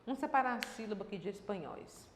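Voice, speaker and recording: A woman's voice: mid-range voice, animated, quick pace, slight background noise. A woman teaching a grammar lesson for exam preparation, explaining step by step and checking in with her students with short tags, with a slightly dry throat. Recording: echoey room with long reverb.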